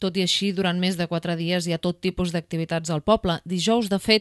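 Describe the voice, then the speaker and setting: A woman with an unremarkable speaking voice, fairly low in pitch, recorded with a dry, close sound and no echo. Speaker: local TV reporter. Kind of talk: news narration.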